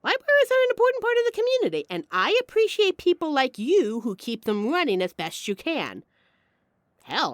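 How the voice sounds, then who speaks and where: A woman's voice: fairly high pitch, a bit bright, no room sound, clean studio sound. A woman playing a brash, charming, apologetic mafia boss in an audio roleplay, with a wry, flirtatious and theatrical delivery. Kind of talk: audio roleplay acting addressed to the listener.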